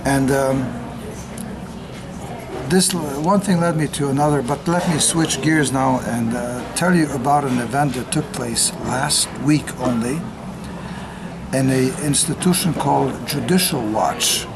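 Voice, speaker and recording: An older man who grew up in the United States, a retired sociologist giving an unscripted personal account, often pausing on fillers as he speaks. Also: medium pitch, crowd noise. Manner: halting, with frequent filler pauses. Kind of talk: unscripted spoken testimony.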